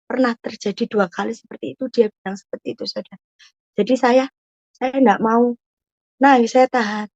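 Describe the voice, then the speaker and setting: A woman's voice: fairly high pitch, a little mellow, no echo. A woman giving an emotional personal testimony, earnest and repeatedly addressing her listeners. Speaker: testimony guest. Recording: muffled dull audio.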